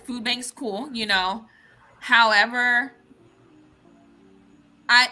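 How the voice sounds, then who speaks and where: A woman's voice: mid-range voice, sharp tone. A woman from the United States talking frankly and emphatically in a casual discussion, often restarting her sentences.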